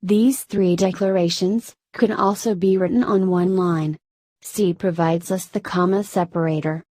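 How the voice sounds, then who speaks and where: A woman narrating a programming tutorial in a flat, synthetic-sounding scripted delivery. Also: lowish voice, a little slow, dry recording.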